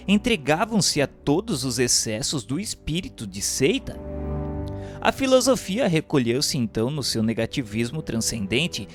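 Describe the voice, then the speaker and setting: A Brazilian man narrates in a formal, solemn register, as if reading an audiobook. His mid-pitched voice is declamatory and carefully scripted. Instrumental music plays beneath his words. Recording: music bed under the voice.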